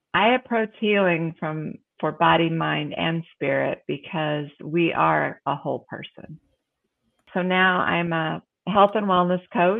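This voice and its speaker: A woman talks at a fairly slow pace in a plain, everyday voice. Her pitch sits fairly low, with ordinary variation. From United States. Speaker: author and breast cancer survivor coach. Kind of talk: podcast interview.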